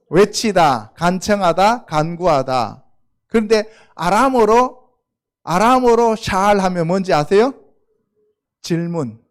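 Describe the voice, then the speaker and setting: High-voiced pastor preaching to his congregation. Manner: questioning the congregation and answering himself. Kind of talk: sermon. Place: church.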